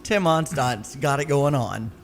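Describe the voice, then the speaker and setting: A man's voice: medium pitch, animated, unhurried, soft background music. A man co-hosting a casual morning radio show, agreeable and steering the chat along. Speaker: radio co-host.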